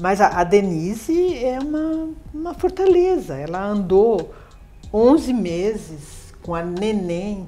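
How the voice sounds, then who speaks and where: In a room with audible echo and noticeable background noise, a woman speaks very slowly at medium pitch, with very wide pitch swings and big swings in loudness. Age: 70s. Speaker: author and former political prisoner. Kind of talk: interview.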